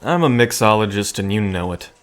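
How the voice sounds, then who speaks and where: A man's voice: fairly low pitch, lively intonation, a little fast, natural voice. A man playing an awkward, wry bartender and reluctant sidekick in an audio drama, hesitant and given to muttered asides. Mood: wry, exasperated. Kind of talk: dramatic audio roleplay acting.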